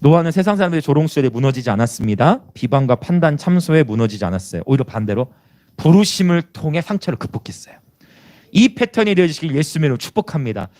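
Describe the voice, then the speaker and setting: A man's voice: a little high, expressive, quick pace, a little mellow. A male pastor preaching a sermon in an emphatic, exhorting, conversational way.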